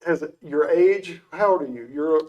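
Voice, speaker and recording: A man's voice: fairly high pitch, normal speed, a little mellow, dull audio. An older man hosting an interview show, chatty and rambling, often restarting his questions. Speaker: show host. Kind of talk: casual interview conversation.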